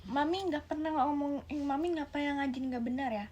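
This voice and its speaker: A woman's voice: high voice, brisk, lightly acted. A woman voicing a strict mother giving her child firm, clipped commands, over a noisy mic.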